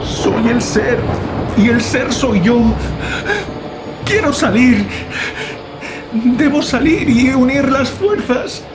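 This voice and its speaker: A man voicing a terrified writer descending into madness in a horror audiobook, anguished, halting and fevered in his declamation. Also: very high-pitched, heavy background noise, full character voice. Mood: panicked, deranged. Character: terrified male writer descending into madness, writing final frantic notes. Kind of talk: dramatized horror audiobook monologue. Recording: loud music under the voice. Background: loud music.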